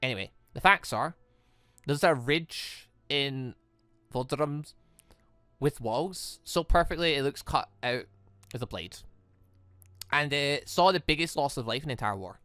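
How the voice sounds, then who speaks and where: Bright-voiced man reading game dialogue, stumbling. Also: mid-range voice, lively intonation, smooth, no room sound, faint music behind. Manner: halting, stumbling over words and correcting himself. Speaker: gaming video host. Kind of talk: reading visual novel dialogue aloud.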